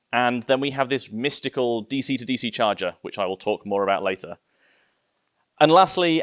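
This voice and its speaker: In a very clean recording with a silent background and a dry, close sound with no echo, a man with an English accent speaks at a fairly quick pace, medium in pitch, with ordinary pitch variation. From England. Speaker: RV travel YouTuber giving talk. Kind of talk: presentation to audience. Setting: stage with live audience.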